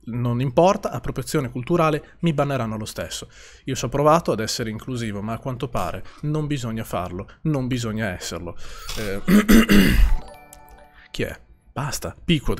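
A young man streaming a horror game live, chatting casually with his viewers, swearing often and rattling off their names. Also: mid-range voice. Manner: lively, swears casually, reads chat names quickly.

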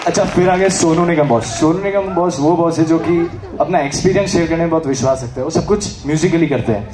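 A young man performs a lively stand-up act with a fairly high voice. He breaks into impressions and bits of song. The sound is a far-off, echoey recording in a big hall with a loud crowd all around. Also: quick pace. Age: young adult. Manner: lively, switches into celebrity impressions and sung lines. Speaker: medical student comedian. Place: large auditorium stage. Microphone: handheld mic, recorded from far in the audience. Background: laughing, cheering crowd.

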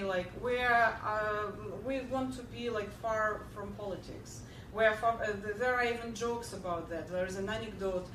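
A woman, giving a keynote lecture from a podium and answering audience questions. She speaks earnestly, with many fillers and restarts. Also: mid-range voice. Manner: earnest, many fillers and restarts, animated when telling a joke. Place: large lecture hall, at a podium. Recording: echoey hall, heard from far off, clear background hum.

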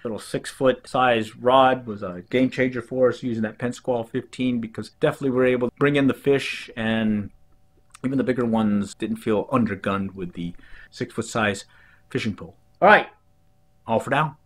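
A man's voice: medium pitch, moderate pace. A middle-aged man with an American accent, hosting a fishing video in a casual, easygoing, conversational way from a home office. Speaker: host of a fishing video channel. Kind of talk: casual recap of fishing tips to camera. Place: small indoor home office.

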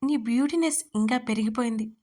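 A woman's voice: a little high, a little fast, dark tone, lightly acted. A woman voicing an obsessive young man who pushes his unwanted love, mixing in English phrases. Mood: pushy. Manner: pleading then demanding, mixes English phrases. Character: obsessive young man, pushy police employee.

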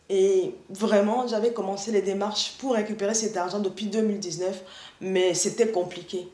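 A middle-aged woman from Rwanda giving an earnest spoken church testimony over a video call, halting and restarting often. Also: mid-range voice, echoey room. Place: indoor room, seated in armchair.

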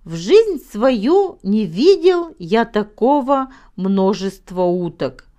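A woman narrating a children's tale from a script, with expressive, deliberate phrasing and dramatic pauses. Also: medium pitch. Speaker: storyteller.

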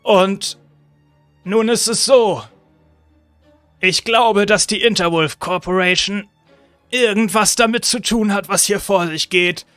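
Man doing a hoarse, coaxing zombie uncle. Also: high voice, a bit bright, no room sound, faint music behind. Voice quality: hoarse, strained voice. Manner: pleading, repeats the name, halting restarts. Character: undead zombie uncle, decayed, coaxing and weary.

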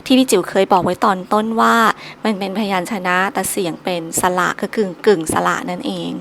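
A woman's voice: mid-range voice, fairly quick. A woman teaching a solo recorded language lesson, patiently drilling each syllable three times over.

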